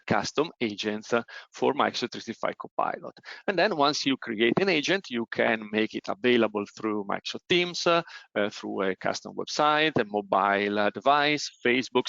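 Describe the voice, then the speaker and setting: A man with an Italian accent presenting a technical software webinar demo, explaining step by step with frequent "uh" hesitations. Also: mid-range voice, vocal fry, no room sound, highs cut off. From Italy.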